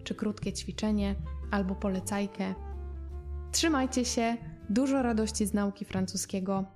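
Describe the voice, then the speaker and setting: A woman French teacher explaining phrases in a recorded lesson, patient and clear, slowing down for her foreign examples. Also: mid-range voice, darkish tone, soft background music.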